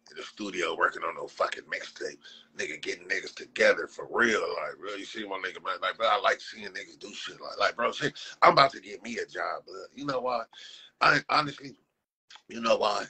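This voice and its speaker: Blunt, husky man in his forties. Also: low voice, fairly quick, sharp tone, poor audio. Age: 40s. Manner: blunt, profane street talk, repeating phrases. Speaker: livestream host. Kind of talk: casual livestream talk. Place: indoor room. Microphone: phone held close.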